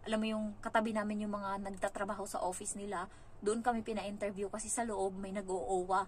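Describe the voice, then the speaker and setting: A young woman from the Philippines telling her story casually as a vlogger, chatty and animated, acting out other people's lines in passing. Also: medium pitch, fairly quick, slight background noise.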